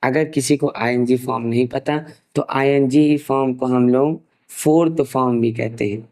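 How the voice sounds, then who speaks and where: The rough recording carries a mid-range, slightly mellow male voice, steady in tone and at normal speed. He's a young Indian man with an Indian accent teaching English grammar online, blending English terms into his Hindi while walking through each step and dictating examples word by word.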